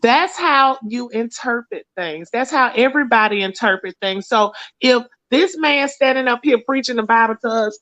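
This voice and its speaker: A woman's voice: on the high side, moderate pace, few pauses, bright, forceful tone. A blunt, profane woman, hosting a casual talk show. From Mississippi, US. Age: late 30s. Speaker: host. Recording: lo-fi stream audio.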